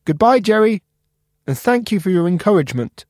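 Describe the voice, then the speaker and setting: A man's voice: sits high, sing-song, fairly quick, darkish tone, no echo, studio quality, pitched above the performer's own voice. A man voicing a timid little bottle cap boy. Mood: gentle. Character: young timid male bottle cap, gentle and hopeful.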